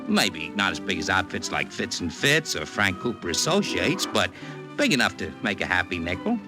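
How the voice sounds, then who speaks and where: Cast: a slangy, swaggering radio-era agent, lively pitch, old broadcast sound. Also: male voice, moderate pace, poor audio. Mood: brash. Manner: brash slangy patter, calls listener doll. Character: fast-talking male Hollywood talent agent, brash. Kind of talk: 1940s radio acting. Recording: old radio transcription with music.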